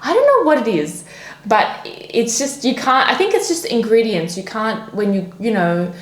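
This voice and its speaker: Recorded in an echoey room, this young woman from France is a podcast guest whose native tongue is French. She talks at a moderate pace in a fairly high, very animated voice, often using fillers and starting over.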